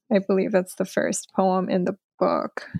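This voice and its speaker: This woman speaks with a Korean accent at a medium pitch and a moderate pace. The recording is very clean, with a silent background. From South Korea. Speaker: poet. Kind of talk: interview.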